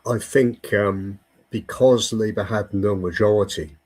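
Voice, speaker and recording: Here the Welsh guest in the political discussion has a fairly low, steady, slightly mellow voice and a measured pace. He is emphatic but frequently trips into stumbling repetitions.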